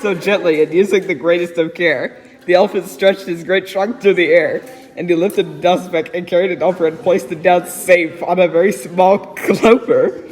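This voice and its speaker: Man as a high-voiced storybook-reading cartoon dog. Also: fairly even intonation, normal speed, lightly acted. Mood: storytelling. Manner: giggly, theatrical phrasing. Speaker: story reader. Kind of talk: amateur dramatic storybook reading. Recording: reverberant hall-like echo.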